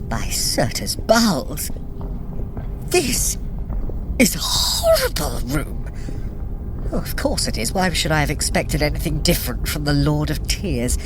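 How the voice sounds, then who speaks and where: Haughty, sardonic trickster deity, swooping delivery. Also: female voice, low-pitched, background noise. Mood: disgusted, sarcastic. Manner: haughty, sarcastic, dry, theatrical. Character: imperious, sardonic, squeamish trickster deity guiding a mortal. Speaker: story guide in a running workout. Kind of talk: scripted audio adventure acting, addressing the listener.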